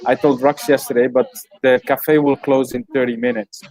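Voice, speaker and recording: Man from the netherlands, guest on a video call, halting, cafe. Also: mid-range voice, fairly even intonation, gravelly, a little mellow, no echo. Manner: halting, many restarts and fillers. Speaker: guest speaker. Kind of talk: casual video call chat. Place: cafe in a small mountain village.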